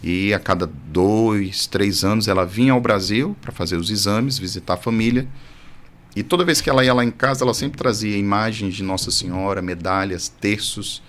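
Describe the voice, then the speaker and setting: A man who is a priest, a podcast guest born in Brazil, telling his story in an earnest, animated way with light humor, recorded in a studio. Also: on the low side, moderate pace. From Brazil, born in Salvador. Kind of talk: testimony in casual conversation.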